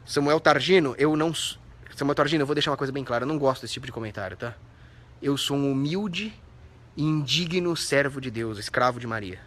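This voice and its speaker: A man's voice: mid-range voice, brisk. A young Brazilian man hosting a live stream, reading viewer comments between indignant, profane rants. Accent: Brazilian Portuguese. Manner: shouts out viewers' names. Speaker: livestream host.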